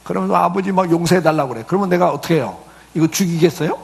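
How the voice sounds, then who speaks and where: Brief: middle-aged man, pastor, talky sermon with questions to the congregation, somewhat high, gravelly voice. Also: racing. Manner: conversational preaching with acted quotes and rhetorical questions.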